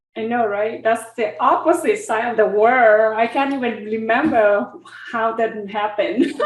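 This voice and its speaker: A woman talks with a Thai accent. Her pitch is fairly high. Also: ordinary pitch variation, fairly slow pace. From Thailand. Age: 40s. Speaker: community fundraiser and pageant titleholder. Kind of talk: interview. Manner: halting.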